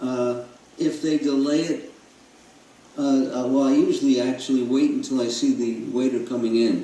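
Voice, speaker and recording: The room gives a man's voice an audible echo. Behind him, there is noticeable background noise. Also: moderate pace. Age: 80s+. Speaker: physician. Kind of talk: Q&A answer to a caller. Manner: hesitant, many fillers.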